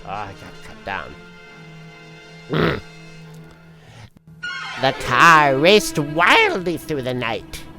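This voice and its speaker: A woman's voice: rumbling low, big pitch swings, drawn-out words, pauses often, pushed and bright. A woman narrating as a campy comic book horror host in a theatrical, swooping delivery. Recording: music bed behind.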